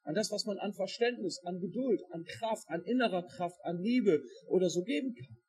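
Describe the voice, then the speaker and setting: A man preaching a sermon, expressive and dramatic, acting out quoted voices with shifting loudness. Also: sits high, normal speed, husky.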